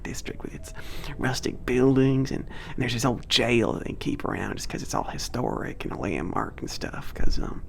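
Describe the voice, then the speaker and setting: A man's voice: medium pitch, vocal fry, a little hiss or hum, natural voice. A man voicing a shy, friendly young giant who speaks with a drawl, rambles nervously with folksy slang, fillers and little laughs. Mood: chatty. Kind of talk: audio drama roleplay.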